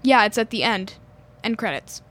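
A woman's voice: fairly high pitch, lively intonation, normal speed, a bit bright. A woman with a Midwestern US accent, co-hosting a casual chat in a giggly, easygoing way full of fillers. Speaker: podcast co-host.

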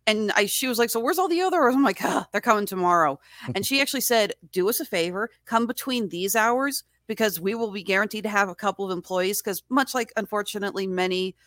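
A woman's voice: mid-range voice, quick pace, fairly bright tone, no echo. A woman in casual podcast chat, telling anecdotes in a chatty way. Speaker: podcast guest co-host.

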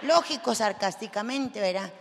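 A woman with a Mexican Spanish accent telling a comic story in a crude, sarcastic and animated way. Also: fairly high pitch, moderate pace, in a large hall, a little hiss or hum.

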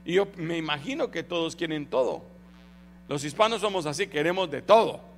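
A man's voice: fairly high pitch, expressive, a little fast, faint music behind. A male pastor, preaching a sermon and having the congregation repeat phrases after him. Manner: acts out voices in Bible stories. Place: church hall. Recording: long hall reverb, faint noise.

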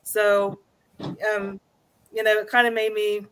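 Brief: woman, guest paranormal investigator, halting casual chat with many fillers. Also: mid-range voice, level tone, clear, resonant tone, poor audio. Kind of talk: casual podcast conversation.

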